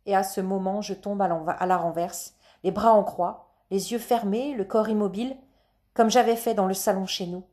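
A woman narrating a children's story in the first person, calm and measured. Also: mid-range voice. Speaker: audiobook narrator.

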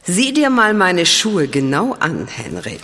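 Resolute young monster slayer, horror radio play, lively pitch, echoing hall. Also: female voice, slow pace, exaggerated voice. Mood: relieved, resolute. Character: resolute young woman, triumphant werewolf slayer. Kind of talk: German horror audio drama acting. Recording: long hall reverb.

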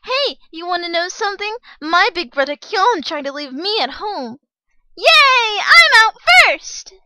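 Excitable little kid sister, very high, childish anime voice. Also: female voice, a little slow, no room sound, full character voice. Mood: childish excitement. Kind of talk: anime dub audition acting.

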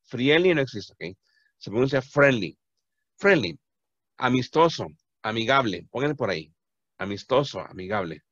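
Male English teacher drilling beginner students, animated delivery, patient repetition, dull dry audio. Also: mid-range voice, no echo. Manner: patient, repeats words slowly for pronunciation. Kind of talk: classroom teaching, mixing Spanish and English. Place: classroom.

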